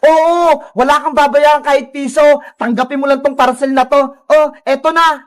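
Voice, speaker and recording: A woman's voice: sits high, fairly even intonation, moderate pace, voice pushed down, natural voice. A woman voicing a kindly, reassuring male delivery rider in a comedy skit.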